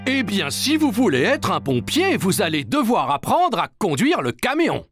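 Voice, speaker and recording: A jovial cartoon fireman talks in an animated, swooping voice, hearty and encouraging as he explains things simply for children. There is music behind him. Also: high voice, moderate pace. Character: friendly, jovial adult male firefighter showing children around. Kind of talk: French-dubbed children's cartoon acting.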